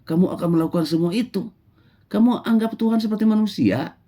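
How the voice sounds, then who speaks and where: A man's voice: a little high, expressive, fairly quick, dark tone, husky, pitched above the performer's own voice. A man voicing an arrogant, irritated male prophet who scolds harshly. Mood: scornful. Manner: harsh and scornful.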